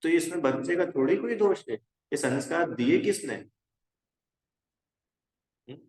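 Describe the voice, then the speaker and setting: A man's voice: a little high, animated, measured pace, darkish tone, roomy sound, low-quality recording. A man teaching a casual religion class to young people, talking conversationally, urging them on and often checking whether they follow. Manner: conversational and exhorting, asks the class checking questions. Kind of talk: casual spoken lesson to a youth class.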